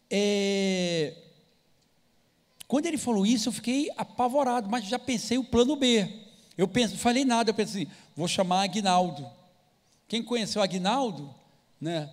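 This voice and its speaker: Pausing long and often, a man with a high pitch speaks at a moderate pace. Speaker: preacher. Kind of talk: sermon. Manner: halting.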